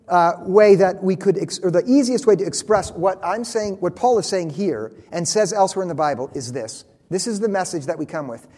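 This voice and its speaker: A man preaching a sermon, earnest and emphatic, slowing down to stress key phrases. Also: sits high, a little mellow. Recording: long reverb of a large hall.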